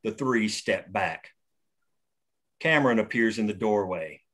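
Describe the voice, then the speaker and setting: A man reads a screenplay's action lines aloud at a table read, steady and matter-of-fact. His voice sits somewhat low. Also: measured pace. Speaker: stage direction reader.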